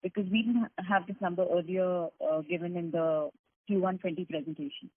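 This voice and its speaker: A woman's voice: lowish voice, steady tone, a little fast, a little hiss or hum. A woman analyst on an earnings call, asking detailed, probing questions about figures. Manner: probing, detailed, numbers-focused. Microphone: phone. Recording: husky voice over phone line.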